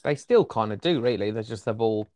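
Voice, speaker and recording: A man's voice: on the low side, expressive, dark tone. Chatty Black Country man quizzing a friend. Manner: chatty, rambling, quick asides. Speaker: quiz host. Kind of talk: casual football quiz chat.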